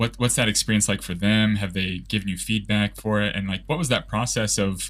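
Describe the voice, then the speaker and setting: With vocal fry and fairly even intonation, a man talks at a fairly quick pace in a fairly low pitch. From Utah. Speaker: podcast host, therapist. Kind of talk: interview.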